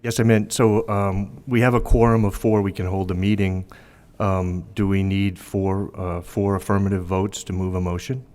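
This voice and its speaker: A man's voice: deep voice, level tone, normal speed, a little mellow. A man chairing a city planning meeting, hesitant and apologetic, with many ums. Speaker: commission chair. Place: council chamber.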